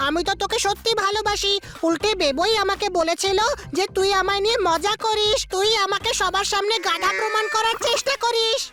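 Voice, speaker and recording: A woman's voice: very high-pitched, steady tone, brisk. A woman voicing a naive young animal friend in a cartoon, earnest and indignant, protesting. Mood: indignant, hurt. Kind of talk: cartoon dub acting. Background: clear music.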